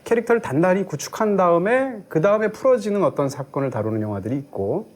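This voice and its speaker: A middle-aged man with a fairly high, very animated voice, talking quickly as a film critic. He builds long explanatory arguments in a fluent, lecturing way, with faint music under him. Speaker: film critic co-hosting a movie review show. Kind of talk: analytical film review discussion.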